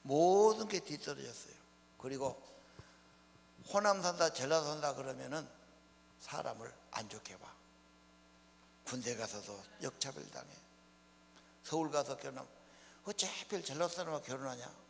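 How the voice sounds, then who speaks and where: This older pastor from Honam speaks with an expressive mid-range voice and vocal fry at a moderate pace, leaving long pauses. His down-to-earth preaching blends simple speech with questions to the congregation. The church hall adds reverb, and mains hum runs underneath.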